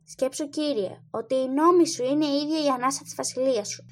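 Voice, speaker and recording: A woman's voice: high voice, close to an everyday voice. A woman reading the part of a loyal grown man who earnestly advises a boy king in an audiobook. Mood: persuasive.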